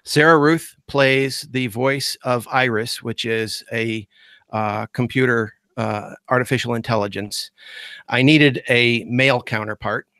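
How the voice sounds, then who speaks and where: A man's voice: mid-range voice, fairly even intonation, unhurried, bright, forceful tone, no room sound, studio quality. A man talking casually on a video call as a guest host, rambling with fillers and restarts. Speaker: guest host, podcast creator.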